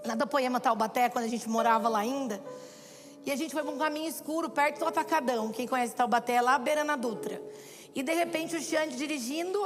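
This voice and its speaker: A woman preacher giving a sermon, telling stories and acting out the dialogue with animation. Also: sits high. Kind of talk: sermon with storytelling. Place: church hall. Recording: long hall reverb with soft background music.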